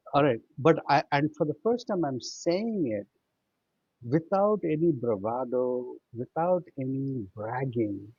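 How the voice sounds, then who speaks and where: A somewhat breathy voice at a very slow pace, with very wide pitch swings. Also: man, fairly high pitch for a man. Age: 60s. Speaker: physician and public speaker. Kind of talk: interview conversation. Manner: halting, many restarts.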